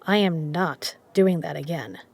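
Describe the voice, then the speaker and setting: A woman playing a shrewd poker legend who runs an underground casino, speaking in a measured, persuasive way in a scripted audio drama. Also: low-pitched, darkish tone. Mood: resolute, persuasive.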